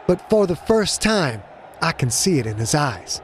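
Man doing a low, dry ex-fighter. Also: sing-song, a little slow, a little hiss or hum. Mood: wry.

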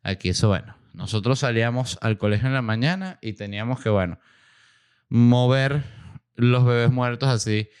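A man hosting a podcast, telling a travel story in a casual, animated way and acting out the people he quotes. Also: moderate pace, smooth. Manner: animated, acts out quoted voices with big pitch jumps. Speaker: podcast host. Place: small home studio room.

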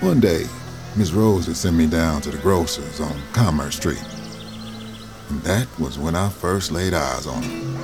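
A man's voice: very deep voice, unhurried, over music. A man giving reflective, scripted first-person narration in a storytelling drawl.

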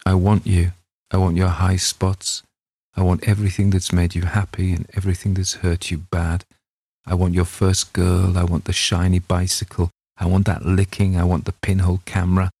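A man's voice: deep voice, monotone, moderate pace, darkish tone, husky, dry recording. A man voicing an alluring predatory female creature in a story reading, insistent and incantatory, with an English accent. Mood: hungry, insistent. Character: alluring predatory female creature, hungry and demanding, as quoted by narrator.

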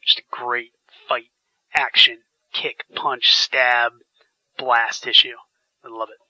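A man's voice: medium pitch, little pitch movement, slow pace, sharp tone, dry recording, low-quality recording. A man hosting a podcast, chatting enthusiastically with frequent fillers while getting over a sinus infection. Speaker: podcast host. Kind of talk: casual podcast chat.

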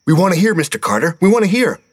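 A chubby tattletale boy scout with a shrill, pleading whine that climbs very high, as a man acts him out. There is a husky grain under the squeak. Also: sing-song, a little fast. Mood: whiny.

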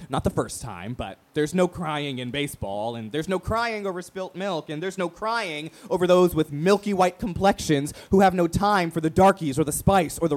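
A male actor with a high voice plays a proud, wounded, brash gay radio talk show host. He delivers an emphatic, profane, theatrical monologue.

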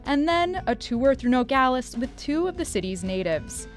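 A woman hosting a radio show, narrating a scripted feature in an upbeat, lively storytelling manner. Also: sits high, normal speed, soft background music. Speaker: radio host.

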